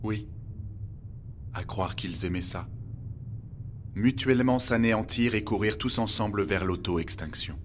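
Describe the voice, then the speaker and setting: A man playing an electronic encyclopedia with an empathy module, a measured, learned guide in a scripted audio drama. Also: fairly low pitch, slight background noise, natural voice. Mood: solemn, reflective. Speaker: narrator and guide. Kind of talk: scripted audio fiction, documentary narration. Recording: music under the voice. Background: music.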